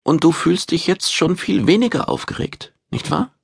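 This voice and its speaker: A man voicing a calm, guarded young woman who speaks in a soft, hushed murmur. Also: on the high side, moderate pace, vocal fry, breathy edge, no room sound, studio quality, pitched above the performer's own voice, full character voice. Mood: soft praise.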